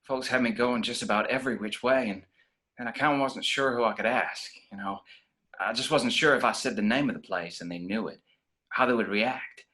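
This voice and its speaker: A man's voice: medium pitch, a little fast, bright, forceful tone, natural voice. A Scottish actor reading the part of a shy, unsure young gay man in a virtual play reading, telling his story in a rambling, hesitant way. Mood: anxious. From Scotland.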